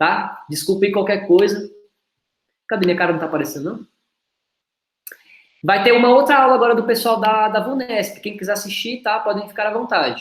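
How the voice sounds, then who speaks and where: Amid audible room echo, a man talks at a fairly quick pace in a high pitch with ordinary pitch variation and long, frequent pauses. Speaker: online prep course teacher. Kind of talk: live online class. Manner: casual, animated; fast.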